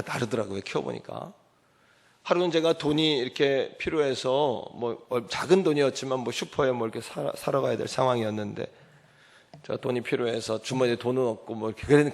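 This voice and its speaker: A middle-aged male pastor delivers a sermon in a church, his voice carrying a steady gravelly grain. He preaches with fervor, rising to loud declarations and dropping to near-whispered asides. His pitch sits in an ordinary middle range for a man. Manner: impassioned preaching, swinging from loud to hushed.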